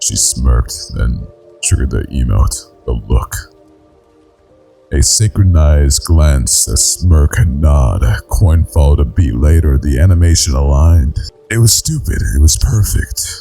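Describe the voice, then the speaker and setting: A man's very deep, low voice with lively intonation at a fairly slow pace, music playing in the background. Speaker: narrator. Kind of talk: story narration.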